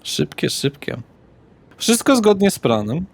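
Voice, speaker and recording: A man's voice: high-pitched, very animated, measured pace, creaky, voice pushed up, full character voice. Man playing a curt streetwise underworld dealer. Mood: businesslike.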